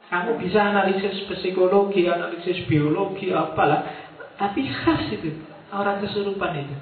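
A man's voice: high-pitched, fairly even intonation, normal speed, slight background noise. A man giving a casual, joking lecture to a university class, speaking to the students directly. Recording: distant mic, tinny, very echoey room.

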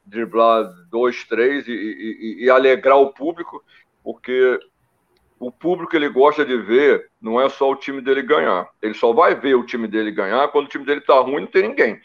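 Middle-pitched male pundit, animated storyteller, muffled lo-fi sound. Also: moderate pace, vocal fry. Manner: animated storytelling, lists names. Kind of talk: casual panel discussion. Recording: dull lo-fi recording.

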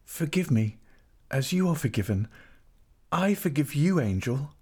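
A man's voice: fairly high pitch, animated, a little slow, mellow, husky, pitched above the performer's own voice. A man voicing a desperate, pleading young wife, devoted and frightened, in a dramatic audiobook reading. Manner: imploring, emotional.

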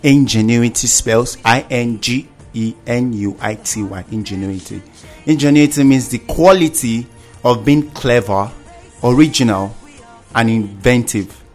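A man co-hosting a children's radio show. He spells and explains vocabulary in a steady teacher's manner. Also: mid-range voice, measured pace, faint music behind. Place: radio studio.

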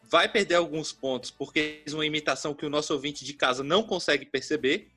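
A man's voice: a little high, fast talker, bright, forceful tone, soft background music. A man co-hosting a comedy podcast, announcing scores in a matter-of-fact way. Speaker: podcast co-host judge.

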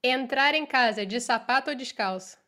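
A woman's voice: fairly high pitch, moderate pace, bright, forceful tone. A woman with a Brazilian Portuguese accent, hosting a casual interview. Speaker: interviewer, host.

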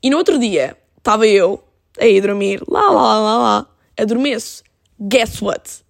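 A young woman with a European Portuguese accent hosting a casual solo podcast, animated and dropping in English phrases. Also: a little high, a little slow, vocal fry, no echo, studio quality. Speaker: podcast host.

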